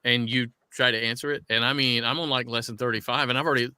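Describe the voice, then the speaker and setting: A man who works as a voice actor, chatting on a fan Q&A panel and telling stories in an animated, enthusiastic way. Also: medium pitch, fast, clean tone, no room sound. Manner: animated storyteller, talkative and enthusiastic. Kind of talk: casual panel chat.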